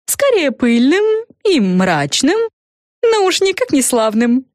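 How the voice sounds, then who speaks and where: A woman's voice: high-pitched, sing-song, slow pace, darkish tone, dry recording, studio quality, voice pushed up, heavily acted. A woman voicing a blunt, tactless fairy with a snippy, matter-of-fact manner.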